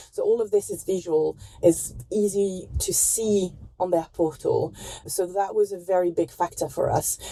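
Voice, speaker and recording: A woman talks with a French accent. Her pace is moderate. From France. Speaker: volunteer manager at a charity. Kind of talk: interview.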